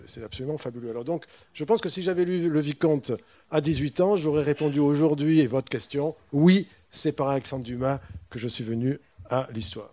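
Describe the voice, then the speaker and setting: A man's voice: on the high side, warm tone. A man who is a guest historian on a panel, enthusiastic and emphatic. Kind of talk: panel discussion.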